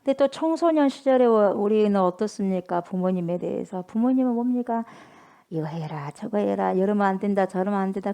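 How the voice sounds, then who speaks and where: A woman's voice: on the high side, dark tone. Emphatic woman pastor preaching. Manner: emphatic, repetitive, conversational preaching. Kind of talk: sermon.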